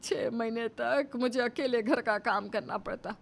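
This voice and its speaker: A woman's voice: fairly high pitch, measured pace, creaky. A woman voicing a grumbling, dramatic elderly mother-in-law in a cartoon story, scolding with theatrical sighs. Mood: relieved.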